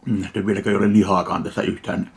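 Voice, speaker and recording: A man from Finland tasting and reviewing a ready meal in slow, dry, deadpan remarks. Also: low voice, vocal fry. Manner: slow, dry, deadpan commentary between bites. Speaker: food reviewer. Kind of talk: casual food tasting review.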